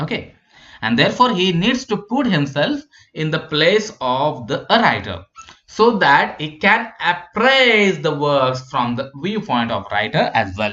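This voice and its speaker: A man talks at a fairly slow pace in a Marathi Indian accent. His pitch is fairly high and swings very widely. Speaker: literature lecturer. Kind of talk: lecture. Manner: halting, many fillers.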